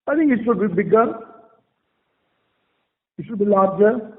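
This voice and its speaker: A man with an Indian accent giving halting, measured answers as a company executive on an earnings call. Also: sits high, animated. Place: conference call. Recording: muffled conference line with long reverb.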